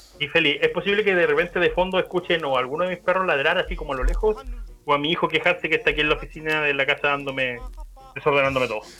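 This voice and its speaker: Noticeable noise fills the background. A man speaks very fast over it. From Chile, Talcahuano. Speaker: podcast guest. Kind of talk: casual chat.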